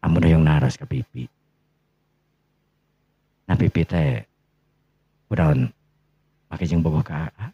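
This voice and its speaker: A man voicing a shy, hesitant young man in love, soft and halting, with a Sundanese accent, in a story. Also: very deep voice, husky, no room sound, voice pushed down, exaggerated voice. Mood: shy, tender. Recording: muffled, lo-fi recording.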